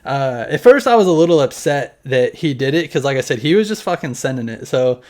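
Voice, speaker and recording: Showing his displayed collection to the camera at home, a man in his thirties chats casually, rambling a bit and swearing here and there. His mid-range voice is sing-song and darkish, moving a little fast.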